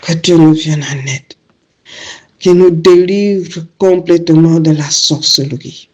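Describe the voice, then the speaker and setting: A woman's voice: sits low, slow pace, a little mellow. A woman giving a prayerful testimony, hesitant and full of fillers as she searches for words.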